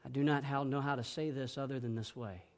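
A middle-aged male pastor preaching a sermon in an earnest way, swinging between hushed, gentle passages and emphatic ones. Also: medium pitch, fairly even intonation, quick pace.

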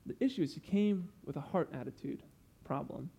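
Brisk and earnest, a young preacher speaks in a slightly high male voice with a dark, slightly rough tone and vocal fry. He explains his sermon patiently, teacher-style, often breaking into asides.

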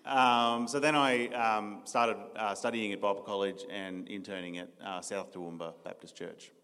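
A young Australian man, newly on church staff, gives his personal testimony in an interview in a church hall, earnest and full of ums and restarts. His fairly low voice is steady, fairly bright, clear, and resonant at a moderate pace, with the hall's reverb audible.

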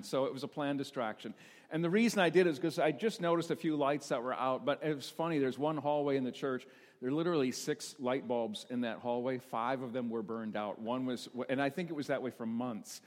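An older man preaching as a pastor, relaxed and joking about himself with his congregation. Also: medium pitch. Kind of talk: sermon. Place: church sanctuary. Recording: long hall reverb in a church.

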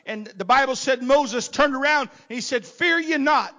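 A man preaching with a very high, bright, forceful voice. He moves from hushed, murmured asides to loud, shouted calls. He keeps a preacher's rising, rhythmic delivery. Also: animated, moderate pace. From not from Texas. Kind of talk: sermon.

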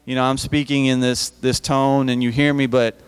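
A man's voice: mid-range voice, flat delivery, normal speed, clear, resonant tone. A man preaching at a youth service in a church hall, talking conversationally and often repeating and restarting his words. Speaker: youth speaker. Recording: reverberant hall.

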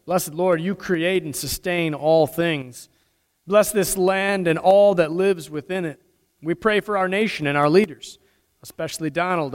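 A male pastor leading prayers and the communion liturgy in a measured, solemn cadence, his voice ringing with a cathedral-like echo in a church sanctuary. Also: high voice. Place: church sanctuary during a service. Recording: long church reverb.

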